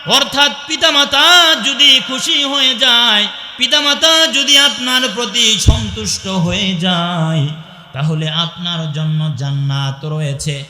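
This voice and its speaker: A man with a Bangladeshi Bengali accent preaching a waz sermon, chanting Arabic verses in a slow singsong and calling out questions to the crowd. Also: sits high, bright, forceful tone. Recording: echoey hall with long reverb.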